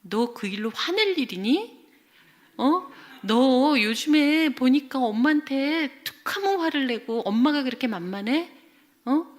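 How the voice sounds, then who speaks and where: A woman acting out an exasperated mother who scolds her teenager in a sharp, raised, reproachful voice. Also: high-pitched, lively intonation, a little slow, voice pushed up. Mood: indignant scolding.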